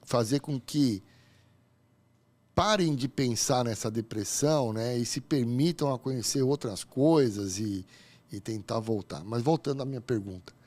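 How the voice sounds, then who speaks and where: A man's voice: medium pitch, a little slow, a little mellow. A man from Brazil hosting an interview, asking long rambling questions with hesitant restarts. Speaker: host. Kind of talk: conversational interview.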